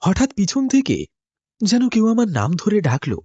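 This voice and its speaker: A man's voice: high voice, huge pitch swings, moderate pace, mellow, breathy edge, no echo, dull audio. A man narrating a horror cartoon in the first person, in a tense, dramatic storytelling manner. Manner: tense, storytelling delivery with sudden rises.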